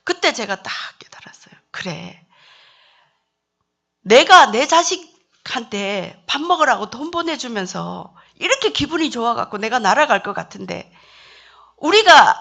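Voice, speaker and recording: A middle-aged woman gives an emotional church testimony and acts out her own prayers aloud. Her voice is bright and clear, and her pitch sits a little high. She tells the story with wide swings up and down. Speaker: missionary wife giving testimony.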